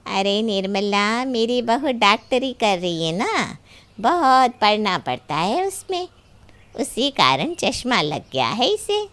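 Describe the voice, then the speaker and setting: A woman playing a bossy, nosy middle-aged mother-in-law in a story, with emphatic drawn-out delivery. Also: on the high side, very animated, a bit bright, exaggerated voice. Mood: explaining.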